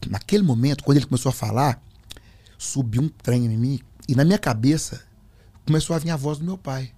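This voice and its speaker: A man telling his religious testimony in a conversation, animated and acting out voices. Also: mid-range voice, a little fast. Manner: animated storyteller, acts out voices, fillers. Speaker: guest giving a testimony.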